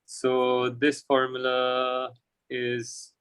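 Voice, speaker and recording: A man's voice: mid-range voice, completely flat delivery, drawn-out words, a bit bright, smooth, no echo. A man with a South Asian accent tutoring physics, working through exam questions aloud in short, informal phrases as he thinks.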